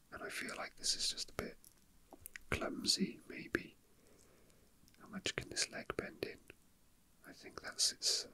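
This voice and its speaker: Whispering ASMR man, breathy and bright. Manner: hesitant, musing to himself. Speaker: ASMR host. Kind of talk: whispered ASMR, casual rambling while handling a figurine.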